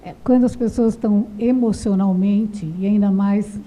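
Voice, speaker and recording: Woman, panel talk, reflective, dark warm tone. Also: medium pitch, steady tone, moderate pace. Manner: reflective, explanatory. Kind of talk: casual discussion.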